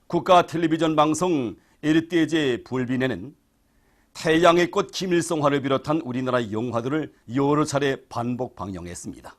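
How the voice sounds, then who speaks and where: A man's voice: fairly high pitch, normal speed. A man with a North Korean accent reading a scripted state television news bulletin in a formal, solemn manner. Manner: formal, solemn broadcast delivery.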